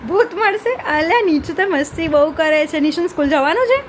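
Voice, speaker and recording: Chatty high-voiced young woman vlogging. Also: expressive, a little fast. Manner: chatty, keeps checking in with viewers. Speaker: family vlogger and mother. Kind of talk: casual vlog chat to viewers. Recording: noisy phone vlog recording.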